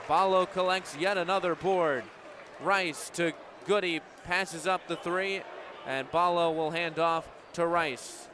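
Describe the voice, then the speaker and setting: The recording picks up crowd and gym noise as a young American man in his twenties calls play-by-play live on radio. He speaks on the high side, slowly, with fairly even intonation.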